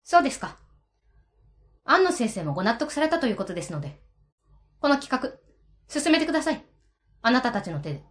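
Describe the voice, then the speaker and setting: Ward boss for a radio play a woman acting: highish, expressive voice, middle-aged, formal, firmly in charge. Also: fairly quick, long pauses. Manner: formal, commanding, crisp politeness. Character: composed, authoritative middle-aged female ward chief. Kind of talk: amateur web radio drama acting.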